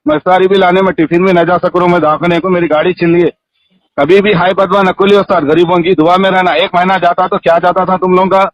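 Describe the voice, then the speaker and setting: A man's voice: high-pitched, level tone, fast. A man with a Hyderabadi accent in a heated phone argument, insistent, pleading and reproachful, talking over the other person on a muffled recorded call. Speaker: social worker.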